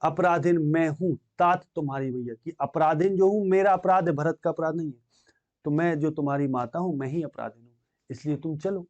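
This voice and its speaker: A man with a somewhat high voice teaches a class lesson on poetry. He recites verse lines in a slow, drawn-out way, then explains their meaning in a plain teaching tone. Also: darkish tone, dull audio. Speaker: Hindi teacher.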